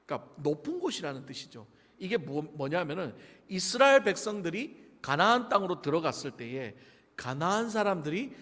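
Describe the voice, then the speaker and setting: A male pastor gives a conversational sermon with a high voice that swings widely in pitch. He mixes in humorous asides to the congregation. A long church reverb trails each phrase. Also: fairly bright tone. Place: church sanctuary.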